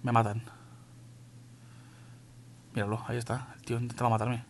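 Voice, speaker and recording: A young Spanish man with a Castilian accent, a gaming YouTuber, casually commentates his mobile shooter match for viewers, swearing and calling everyone "tío". His mid-range voice is flat and moves at normal speed, with slight background noise.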